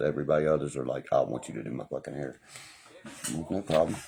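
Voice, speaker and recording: Very deep and low in pitch, a man speaks at a very fast pace with an American accent. Background noise is noticeable. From New Jersey. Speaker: livestreamer. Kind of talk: casual chat. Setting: livestream. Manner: animated.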